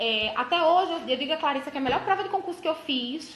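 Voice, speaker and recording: A woman's raised, projected voice with very wide pitch swings, amid noticeable background noise and audible room echo. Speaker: federal government lawyer. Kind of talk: casual chat. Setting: live video stream. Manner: fast.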